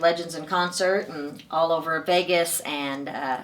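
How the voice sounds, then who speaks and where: The speaker has an American accent and ordinary pitch variation. Noticeable background noise runs behind the voice. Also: woman. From US Pacific Northwest, Oregon. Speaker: singer, actress and ventriloquist. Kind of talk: interview.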